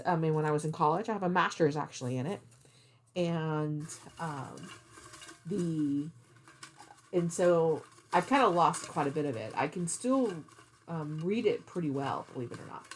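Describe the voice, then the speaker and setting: A woman's voice: on the low side, animated, moderate pace, a little hiss or hum. A woman hosting a craft vlog, chatting casually in a rambling way and thinking aloud as she goes. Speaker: cross-stitch vlog host. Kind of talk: casual rambling chat to camera.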